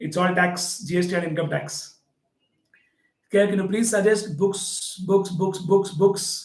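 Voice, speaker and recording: Man with an Indian accent and a high pitch. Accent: Indian English (Telugu). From India, Telangana. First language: Telugu. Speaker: chartered accountant and tax teacher. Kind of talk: live Q&A session. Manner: casual, conversational.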